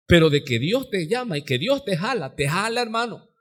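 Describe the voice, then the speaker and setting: A pastor with a Mexican Spanish accent preaching a live sermon in a church, full of rhetorical questions and sudden drops to soft low words. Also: male voice, big pitch swings, fairly quick. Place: church sanctuary.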